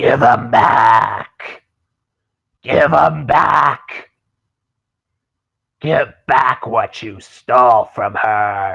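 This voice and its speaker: A man's put-on character voice, raspy and growling at a medium pitch, very slow, with long, frequent pauses. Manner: furious, demanding.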